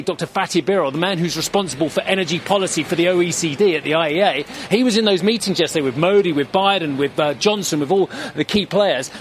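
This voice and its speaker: A man reporting live as an energy correspondent, explaining with rhetorical questions in a brisk way. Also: sits high, a little hiss or hum.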